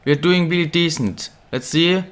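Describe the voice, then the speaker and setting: Young guy a bit sick, voice a little off, higher pitched, rambling over his football game and yelling at goals. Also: normal speed. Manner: chatty, excitable at goals. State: slightly ill, voice a bit off. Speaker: gaming channel host. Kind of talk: casual gameplay commentary.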